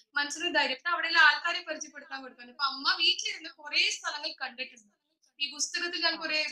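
A woman speaks in a raised, projected voice with fairly even intonation. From grew up outside Kerala, studied in Delhi. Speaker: chat show host and author. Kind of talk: casual interview chat.

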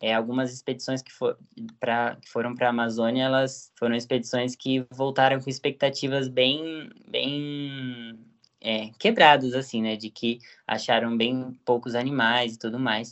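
The man's voice stays monotone and flat at a medium pitch. He goes at a fairly slow pace, with big swings in loudness. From Brazil, Paulínia near Campinas, São Paulo state. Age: 20s. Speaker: biology researcher on planarians. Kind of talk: podcast interview.

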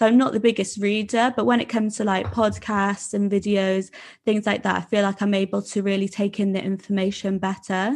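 A woman in a Cardiff accent, medium in pitch, monotone and flat, at a fairly quick pace against a quiet background. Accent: Cardiff Welsh English. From Wales. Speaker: podcast host. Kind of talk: casual interview.

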